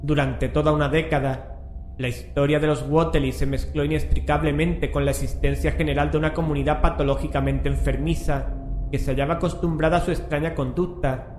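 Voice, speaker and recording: A man's voice: on the high side, fairly even intonation, fairly quick, darkish tone. A man with a Castilian Spanish accent hosting and narrating a scripted horror radio show in an ominous, theatrical manner. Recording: roomy echo, music bed. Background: music.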